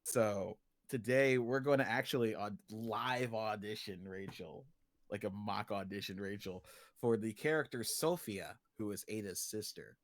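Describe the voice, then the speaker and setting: A man's voice: fairly low pitch, a little slow, no room sound. A man chatting casually and jokingly as a guest animation director on a livestream. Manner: joking, informal, laughs easily.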